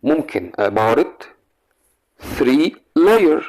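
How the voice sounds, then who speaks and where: A man's voice: mid-range voice, big pitch swings, very slow, a little mellow. Chatty Egyptian man teaching grammar. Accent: Egyptian Arabic. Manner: chatty, coaxing, asks the student questions. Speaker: English teacher. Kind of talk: exam grammar lesson.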